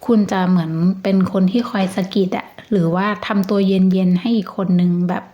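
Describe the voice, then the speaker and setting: Gentle chatty woman, slightly dull audio. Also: mid-range voice, steady tone, brisk. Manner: chatty, gentle, reassuring, with many fillers. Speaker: tarot reader. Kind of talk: casual tarot reading monologue.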